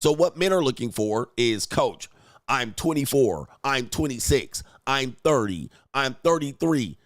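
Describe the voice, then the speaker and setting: In this dry, studio-quality recording, a man reacts to clips as a dating coach in a mid-range voice with big pitch swings, unhurried. His provocative commentary is brash and mocking, full of swearing and sudden emphatic swells that punch his words.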